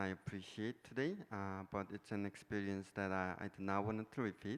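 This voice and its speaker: In a Korean accent, a man with a fairly low voice speaks at a moderate pace. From North Korea. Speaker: refugee and human rights advocate. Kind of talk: public talk. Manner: halting.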